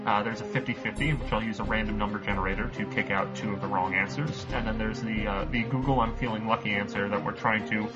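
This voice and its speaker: A man's voice: on the low side, fairly even intonation, quick pace, few pauses, highs cut off, loud music behind the voice. A man hosting a casual podcast quiz game, rambling through the rules with lots of fillers. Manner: rambling, many uh fillers, loose explaining. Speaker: quiz show host.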